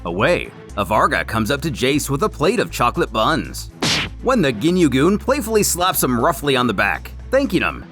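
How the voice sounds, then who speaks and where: Male narrator, scripted story recap, very lively pitch swings, music underneath. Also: moderate pace. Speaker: narrator recapping a comic series.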